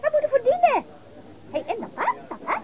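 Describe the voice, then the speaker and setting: An actress playing a brash, nosy young innkeeper's daughter in a radio play, teasing and sharp-tongued. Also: female voice, very high voice, big pitch swings, brisk. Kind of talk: radio drama dialogue. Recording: dull old recording, loud crowd.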